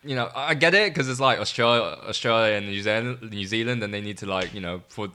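A man in casual podcast chat, throwing in lots of quick yeahs and interjections. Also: on the low side, pushed and bright, a little hiss or hum.

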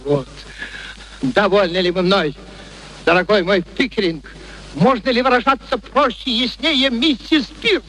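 An actor playing an excitable, imperious professor who cajoles and commands theatrically in a vintage radio play. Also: male voice, high-pitched, a little slow, low-quality recording. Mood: commanding, grandiose. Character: domineering, excitable, eccentric male professor. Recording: old radio recording with faint noise.

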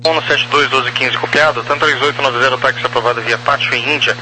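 A man working as an air traffic controller, giving procedural, clipped clearances over a crackly radio transmission. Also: medium pitch, steady tone, quick pace, sharp tone, soft background music. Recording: noisy, crackly aviation radio channel.

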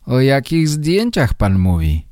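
A man voicing a scruffy, hungover male photographer who turns indignant and accusing, in a slow read-aloud story for learners. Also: medium pitch, huge pitch swings, a little mellow, no echo, studio quality, pitched above the performer's own voice. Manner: indignant, then shrieking accusations.

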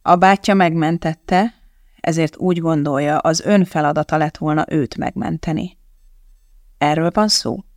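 An audiobook reader plays a troubled male scientist in a storybook reading, gentle and earnest, speaking in a gravelly, creaky tone. His voice sits in a middle register. The sound is dry and close to the mic. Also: medium pitch, dry recording, natural voice. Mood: consoling.

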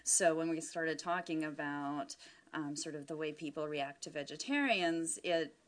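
A woman's voice: low voice, moderate pace. A woman researcher explaining her work in an informal interview, discursive and often hedging as she goes. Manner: discursive, hedging with "sort of" and "you know".

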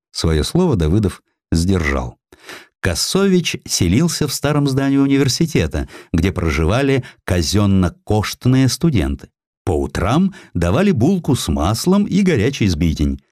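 A man reads a historical story as an audiobook narrator. His low voice moves in lively, theatrical swings with an ironic touch, captured close and dry. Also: dry recording.

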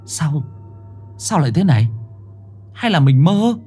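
Man doing a high, stammering, panicked dog-man, faint music under, storybook. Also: very animated, unhurried, dark tone, husky, exaggerated voice. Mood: bewildered. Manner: stammering, pleading, shrill cries.

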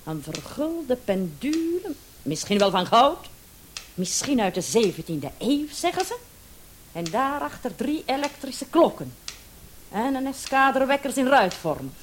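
An actress playing a brisk but indulgent female police commissioner in a Dutch radio play. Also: sits high, very animated. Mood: brisk, official. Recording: hissy old radio play recording with clicks.

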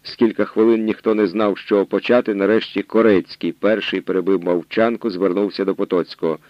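Low-voiced man reading a novel. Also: steady tone, a little fast, dry recording, dull audio. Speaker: narrator. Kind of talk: audiobook reading of a historical novel.

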